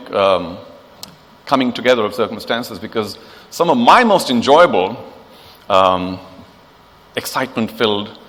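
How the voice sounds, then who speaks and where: A man's voice: fairly low pitch, a bit bright, big-room sound. A man hosting a corporate event, speaking in flowery, eloquent phrases with emphatic rises before he introduces the next speaker. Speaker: event host. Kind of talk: formal emcee speech.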